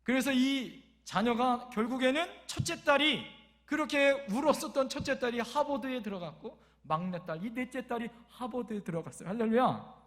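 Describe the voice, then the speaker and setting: A man's voice: very high-pitched, normal speed. A male pastor preaching a Sunday sermon, telling a story and calling out to the congregation. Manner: animated, calls out to the congregation. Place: church sanctuary.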